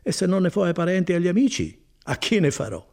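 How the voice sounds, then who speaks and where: A man voicing a chatty, good-hearted older male cousin, a foreman, in an animated folksy manner with chuckles. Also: high voice, quick pace, pitched above the performer's own voice, exaggerated voice.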